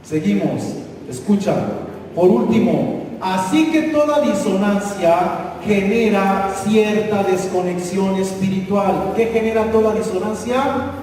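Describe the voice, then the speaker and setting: A man's voice: sits high, expressive, slow pace, a little hiss or hum. A man preaching a sermon as pastor, speaking conversationally and putting questions to his congregation, with bursts of raised voice. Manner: conversational, asks the congregation questions, rising to shouts. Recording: echoey hall from a distance.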